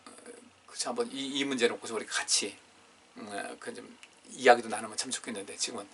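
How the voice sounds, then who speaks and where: A man's voice: medium pitch, steady tone, fairly quick, vocal fry, a bit bright, a little hiss or hum. A man pastor preaching a Friday prayer meeting sermon in a conversational way, reading scripture aloud and asking the congregation questions. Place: church. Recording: distant, room-miked sermon recording.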